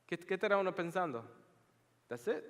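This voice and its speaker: A man with a notably high voice preaches to his congregation, reading scripture and breaking into joking, animated storytelling. The voice carries a long reverb that trails after his words, as in a large church hall. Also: normal speed. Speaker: pastor. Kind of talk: bilingual sermon with scripture reading. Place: church sanctuary.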